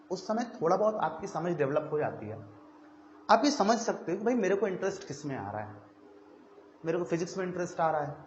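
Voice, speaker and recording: A young male teacher talks earnestly and conversationally to his class, his voice sitting a little high. The recording is echoey and dull, with a faint hiss behind it. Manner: earnest, conversational, frequent "theek hai" check-ins. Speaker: coaching teacher. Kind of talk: motivational classroom talk to students.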